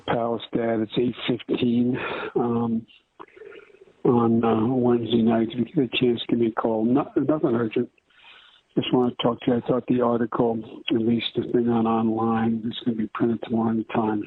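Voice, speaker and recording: A man leaving a halting voicemail message, full of pauses and fillers, played back from a phone recording. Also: medium pitch, little pitch movement, slightly rough, no echo. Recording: tinny, muffled phone voicemail.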